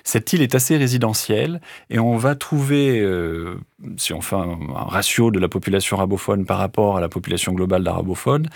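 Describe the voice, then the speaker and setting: Hesitant low-voiced man, dry studio sound. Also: no echo. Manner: hesitant, many filler sounds, measured. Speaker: author and guest. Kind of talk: radio interview, thoughtful answers.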